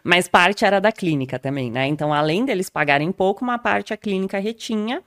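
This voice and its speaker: A woman's voice: mid-range voice, brisk, no echo, clean studio sound. A woman, a podcast guest chatting casually and telling stories with lots of laughs and fillers. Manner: animated storyteller, laughs often, many fillers. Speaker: guest neuropsychologist.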